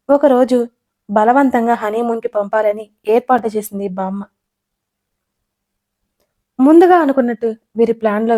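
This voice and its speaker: A woman narrating an audio romance story in an expressive storytelling way, voicing all the characters herself. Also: on the high side. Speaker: writer and narrator.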